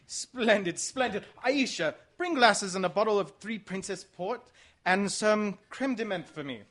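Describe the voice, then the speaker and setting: A man playing a debonair, sly gentleman exile in a radio mystery, speaking suavely and theatrically. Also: high-pitched, animated, measured pace, heavily acted. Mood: breezy, pleased. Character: debonair, sly English gentleman exile, Foreign Legion deserter. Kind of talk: radio mystery drama acting.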